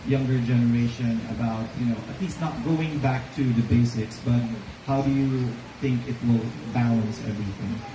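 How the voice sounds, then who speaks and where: A man's voice: mid-range voice, moderate pace, hardly any pauses. A man interviewing a pageant contestant in a rambling, conversational way, often tagging questions onto his statements. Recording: echoey, noisy room, distant mic.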